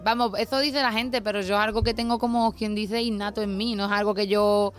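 A woman's voice: medium pitch, steady tone, fairly quick, faint music behind. A woman with an Andalusian accent, a makeup influencer, chatting spontaneously as a guest on a radio interview. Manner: spontaneous, chatty, laughs easily.

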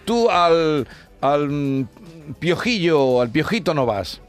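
Host, man, playful teasing questions, slightly raised pitch. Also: sing-song, soft background music. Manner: teasing, asks quick questions. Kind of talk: casual chat.

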